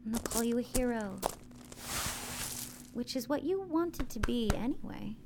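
An actress playing a soft-spoken, sweetly menacing woman scientist who once nursed ants. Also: on the high side, lively intonation, unhurried, noisy background. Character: woman scientist, former ant nursemaid, sly and vengeful.

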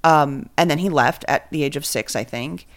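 A woman's voice: low voice, normal speed. A woman from Venezuela hosting a podcast, chatting casually and thinking aloud with fillers. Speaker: podcast host. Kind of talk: casual chat.

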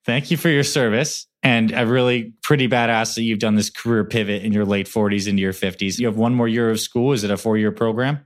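A man's voice: fairly low pitch, fairly even intonation, brisk, few pauses. A man hosting a podcast interview, speaking in an upbeat, encouraging way. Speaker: podcast host. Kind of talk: interview with introduction.

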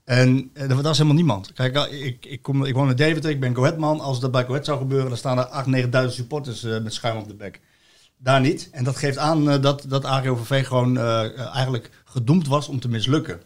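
A man's voice: medium pitch, steady tone, fast. A Dutch man in casual football chat, telling long stories with many restarts and fillers.

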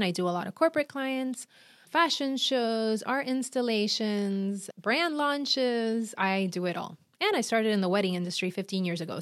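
Woman, Puerto Rican accent, event planner, energetic and direct, dry close sound. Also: mid-range voice, no echo. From Puerto Rico. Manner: energetic, chatty and direct, with quick asides. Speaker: event planner and podcast host. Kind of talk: instructional talk.

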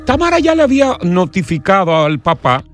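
Tipo de podcast echando un cuento dramatico, voz alta, musica de fondo. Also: male voice, sits high, very animated, brisk, faint music behind. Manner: dramatic, acts out quotes. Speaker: podcast host, storyteller. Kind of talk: casual storytelling chat.

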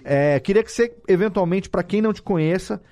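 A man's voice: high-pitched, a little fast, dark tone. A man with a Brazilian Portuguese accent hosting a casual, chatty podcast interview, informally rephrasing as he goes. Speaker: podcast host.

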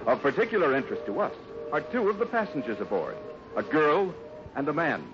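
A man's voice: fairly high pitch, sing-song, brisk, background noise. A man narrating a scripted adventure story in the style of 1950s radio. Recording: muffled 1950s radio recording with music.

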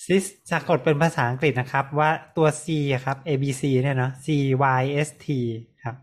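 A young man hosting a casual medical podcast, relaxed and chatty, laughing often. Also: medium pitch, normal speed. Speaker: podcast host.

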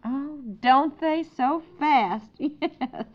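An actress playing a breezy, sensible American wife and mother who gently teases, in a 1950s radio comedy. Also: high-pitched, extremely slow. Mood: cheerful, chatty. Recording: dull, lo-fi 1950s radio recording.

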